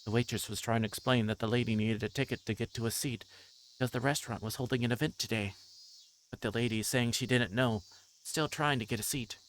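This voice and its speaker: A man's voice: mid-range voice, fairly even intonation, quick pace, a bit bright, slight background noise, low-quality recording. A man reading game text aloud and commenting casually as he streams a visual novel. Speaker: livestreamer playing a visual novel.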